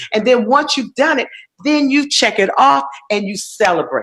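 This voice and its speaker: A woman with fairly high pitch, very wide pitch swings and an animated tone at a moderate pace. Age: 60s. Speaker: author and motivational speaker. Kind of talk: interview.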